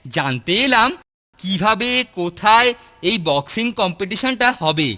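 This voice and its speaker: A man's voice: sits high, expressive, a little slow, pushed and bright, exaggerated voice. A man voicing a scheming, boastful schoolboy bully in a children's cartoon, with a cocky, swaggering delivery. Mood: eager. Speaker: cartoon voice actor. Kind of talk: Bengali children's cartoon dialogue.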